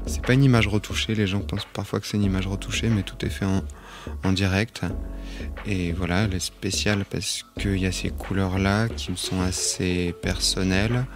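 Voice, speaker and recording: Low, flat-voiced hesitant Frenchman. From Auvergne, France. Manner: hesitant, many fillers and restarts. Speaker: photographer and artist, podcast guest. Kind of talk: reflective interview talk.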